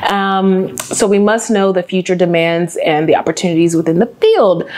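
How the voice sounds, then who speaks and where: A woman is talking. Her pace is moderate. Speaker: cybersecurity professional vlogger. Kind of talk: casual vlog chat. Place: home room.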